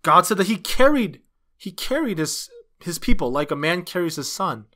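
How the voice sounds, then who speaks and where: Male sermon interpreter, slightly high-pitched, halting phrase-by-phrase preaching delivery. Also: very animated, sharp tone. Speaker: interpreter dubbing a pastor's sermon.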